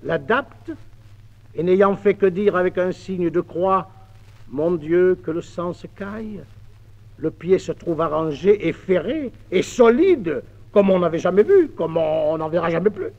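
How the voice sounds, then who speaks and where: Expressive man telling an old folk tale. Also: high voice, measured pace. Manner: lively, expressive. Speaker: storyteller. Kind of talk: theatrical folk-tale reading. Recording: dull 1950s mono record.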